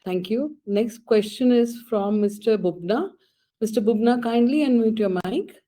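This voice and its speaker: A woman's voice: on the high side, unhurried, warm tone. A woman moderating a conference call in a polite, formal way.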